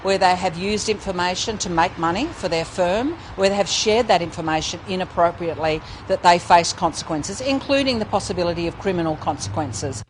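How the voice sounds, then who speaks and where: A woman's voice: fairly low pitch, a little fast, hardly any pauses. An Australian woman politician making a formal statement outdoors. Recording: faint outdoor urban noise.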